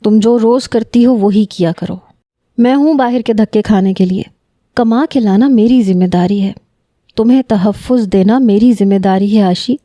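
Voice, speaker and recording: A woman voicing a young man, a stern cousin in love, who lectures firmly and then pleads softly in a narrated romance story. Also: medium pitch, dry recording, lightly acted.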